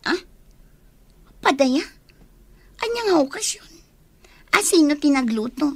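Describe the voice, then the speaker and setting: An actress voicing a nosy, excitable woman who bursts into loud, shrill questions in a radio drama. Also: measured pace, no echo, heavily acted. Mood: curious, prying. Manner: loud, shrill, startled outbursts.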